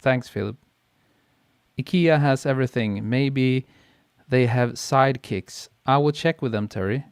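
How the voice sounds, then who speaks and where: Relaxed man chatting on a live stream. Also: medium pitch, a little slow, clean tone, no room sound. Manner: relaxed, chatty, laughs easily, reads comments aloud. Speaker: photographer hosting a live stream. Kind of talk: casual live-stream chat reading viewer comments. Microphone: podcast mic on a boom arm.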